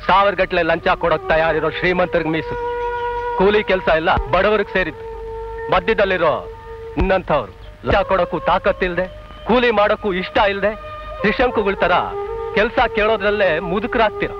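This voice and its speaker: A man's voice: high-pitched, fairly quick, close to an everyday voice. An actor playing an earnest young man who lectures his friends. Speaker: jobless idealist friend. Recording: dull old film soundtrack with music.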